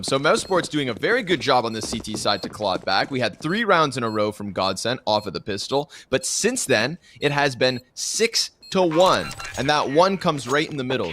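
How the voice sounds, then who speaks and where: Male esports caster over clear background noise. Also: mid-range voice, a bit bright. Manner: narrates action in present tense, playful similes. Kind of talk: live esports commentary.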